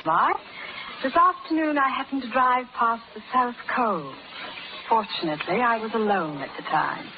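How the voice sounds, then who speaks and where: Woman acting a poised, spirited young lady, highish voice, 1930s radio drama, tinny crackly recording. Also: animated, moderate pace, close to an everyday voice. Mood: coy, challenging. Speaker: actress. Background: audience and crackle.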